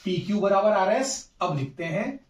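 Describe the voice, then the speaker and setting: A man teaches maths at a board, talking through each step and stopping to check that his students follow. His voice sits high for a man. He sounds distant from the mic, and the room gives a clear echo. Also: animated, moderate pace. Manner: explains step by step, asks "समझ में आई बात?". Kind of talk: blackboard maths lesson.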